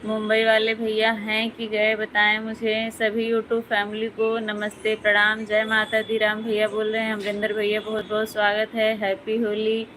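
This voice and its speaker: A woman hosts a casual livestream from the Jammu region of India, reading viewer comments and greeting people one by one in a friendly, chatty way. Her voice is medium-pitched and a bit bright, with a completely flat delivery at normal speed and hardly any pauses. The home livestream audio is noisy.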